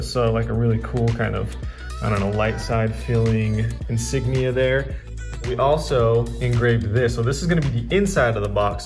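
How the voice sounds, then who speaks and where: A man with an everyday mid-range voice talks through his woodworking in a relaxed, enthusiastic, slangy way. He is in his shop and recording with his phone's built-in mic. Faint music sits in the background. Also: mid-range voice. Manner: laid-back and enthusiastic, slangy. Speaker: woodworking channel host. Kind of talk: casual workshop vlog. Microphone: filmed on his phone's built-in mic.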